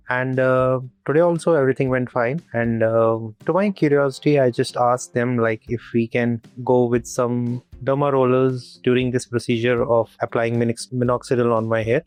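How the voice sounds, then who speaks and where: A man with a Kashmiri Indian accent gives a casual video testimonial as a patient, speaking in a halting, repetitive way. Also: mid-range voice, a little mellow. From Srinagar, Kashmir, India.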